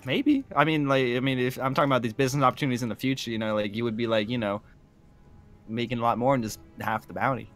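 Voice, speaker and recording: A man's voice: medium pitch, fairly even intonation, quick pace, fairly bright tone, faint music behind. A man playing a tabletop roleplay game, bantering casually in loose slang.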